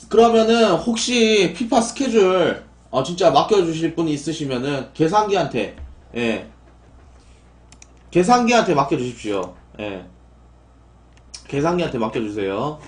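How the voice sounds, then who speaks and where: A young man chatting casually on his live stream, reading messages and answering his viewers with quick complaints that turn exasperated. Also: a little high, reverberant. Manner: talks back to chat, rising into exasperated outbursts.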